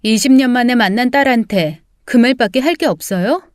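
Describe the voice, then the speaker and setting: A woman playing a resolute adult daughter who tells her own story in measured, restrained scripted narration. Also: on the high side, dry recording, clean studio sound, lightly acted. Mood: cold, defiant.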